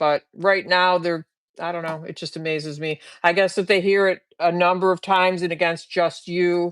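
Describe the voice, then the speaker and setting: A woman talks in a fairly low pitch with monotone, flat intonation. The very clean recording has a dry, close sound with no echo and a silent background. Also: moderate pace. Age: 60s. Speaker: guest on live stream podcast. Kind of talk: casual chat. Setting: live stream.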